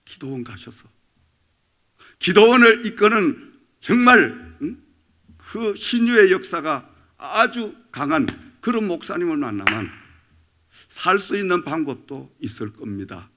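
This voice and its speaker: A male pastor preaching a Sunday sermon, animated and calling out to the congregation for amens. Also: fairly high pitch, measured pace, long pauses.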